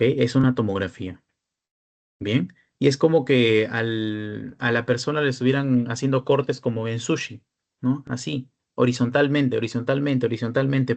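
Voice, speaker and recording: Creaky and mid-range, the voice is that of a young man with a Peruvian Spanish accent serving as a peer tutor. In his online lecture he goes step by step and often pauses to check in with students.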